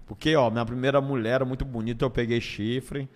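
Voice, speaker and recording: Speaking quickly with a medium pitch and fairly even intonation, this man is a stand-up comedian with a northeastern Brazilian accent. As an interview guest he tells casual, colloquial stories, acting out bits and repeating phrases, all under long hall-like reverb.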